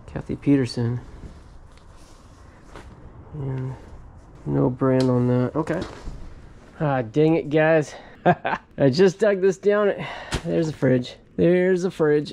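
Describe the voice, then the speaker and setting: A man's voice: fairly high pitch, dark tone, slight background noise. A man hosting a casual storage-locker vlog, thinking aloud as he digs through items, with frequent hmms and little laughs. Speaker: storage locker reseller host. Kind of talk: casual unboxing commentary. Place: cluttered metal storage unit.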